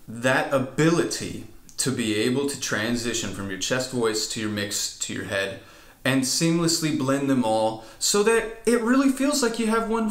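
A man's voice: medium pitch, a bit bright. A male vocal coach explaining chest, mix and head voice, now and then demonstrating with sung whoops. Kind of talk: singing lesson with vocal demonstrations. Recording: roomy echo.

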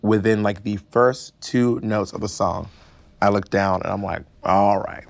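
A man's voice: fairly low pitch, fairly even intonation, measured pace, gravelly. An American actor in his thirties playing a candid, sassy gay man in recovery, with a camp drag-queen delivery, telling his story at a support meeting. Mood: animated, comic. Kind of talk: naturalistic screen monologue, confessional storytelling. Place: indoor hall, group sitting in a circle.

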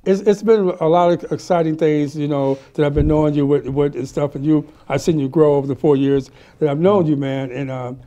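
Hombre de voz aguda y cálida, muy animado. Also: male voice, on the high side, brisk, hardly any pauses, highs cut off. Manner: animated, laughs often, stammers and repeats words. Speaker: talk show host. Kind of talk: casual interview chat. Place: small studio set with city backdrop, indoors.

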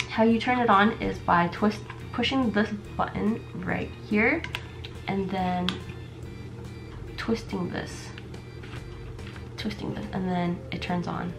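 A young woman in her twenties, sick with a stuffy nose and losing her voice, chatting casually to the camera as she shows off her gifts, with lots of fillers. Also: medium pitch. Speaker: vlogger. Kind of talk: casual product unboxing vlog. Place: small bedroom with camera shelves, indoors.

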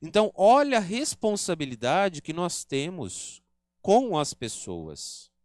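An earnest man with a Brazilian Portuguese accent lectures at a spiritist center. His voice sits fairly high and swings widely in pitch as he teaches. The sound is close and dry, with little room in it. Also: big pitch swings, slow pace, a little mellow, no echo. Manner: earnest, teaching, acts out quoted remarks. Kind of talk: religious lecture.

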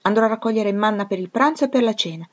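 A stern gentleman speaks in short, commanding phrases, as a woman reader gives him voice. The delivery is firm and clipped, without much change of pitch from the reader. The audio is a bit dull. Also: fast talker, natural voice. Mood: teasing. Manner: peremptory, curt. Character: stern wealthy gentleman, middle-aged, commanding.

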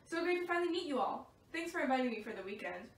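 An actress reading a daughter's part and stage directions from a script, off camera. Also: female voice, high voice, sing-song, very fast. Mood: matter-of-fact. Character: young-adult daughter introducing boyfriend, plus stage directions. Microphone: off camera, away from mic. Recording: echoey room, distant mic, faint noise.

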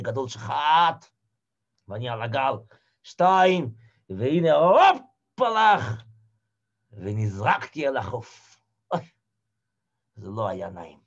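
An actor playing a shipwrecked old Hasid, telling his story in the first person and swinging from hushed murmurs to shouted cries. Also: medium pitch. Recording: dull lo-fi recording.

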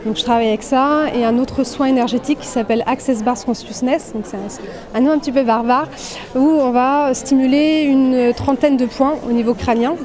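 Amid crowd chatter in a busy exhibition hall, a woman who works as a slimming coach is interviewed about her sessions. She answers fluently with a few light fillers, in a high-pitched voice at a moderate pace.

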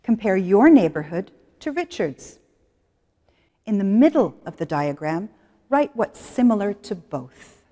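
A middle-aged woman teaches an English class from a studio. She speaks slowly, with a lively rise and fall in her voice. A long reverb trails after her words. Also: medium pitch. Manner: slow, clear and expressive, guiding students through exercises. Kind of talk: classroom lesson presentation. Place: studio in front of a plain wall.

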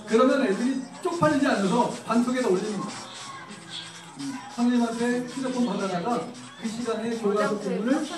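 A man leading an informal hands-on training session as an English teacher. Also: extremely high pitch. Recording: echoey room, far mic, participant chatter.

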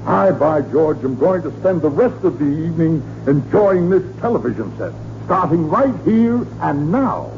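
A man's voice: fairly high pitch, lively intonation, normal speed, vocal fry, few pauses. An actor playing a blustering, exasperated middle-aged American father in a 1940s radio comedy. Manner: blustering, emphatic. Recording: muffled, noisy 1940s radio recording.

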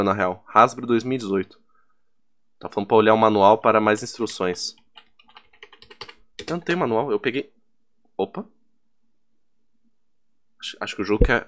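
A young man with a Brazilian Portuguese accent giving excitable, profane let's play commentary, yelling at the game as he plays. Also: medium pitch. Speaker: gaming YouTuber.

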